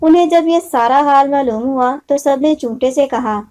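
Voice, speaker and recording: A woman narrates a children's moral tale as a storyteller. Her voice is high-pitched and mellow, reading from a script. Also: normal speed.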